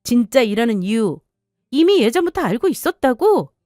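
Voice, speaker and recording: A woman's voice: fairly high pitch, very animated, normal speed, no echo, clean studio sound, soft background music. A woman voicing a wife who coldly and sharply confronts her husband in an audio story. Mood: accusing. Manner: sharp, accusing, cold.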